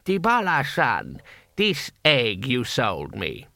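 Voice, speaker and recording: A man's voice: medium pitch, huge pitch swings, slow pace, vocal fry, bright, forceful tone, no room sound, clean studio sound, full character voice. A man voicing an elderly male customer, querulous and complaining, in an audiobook story. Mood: indignant.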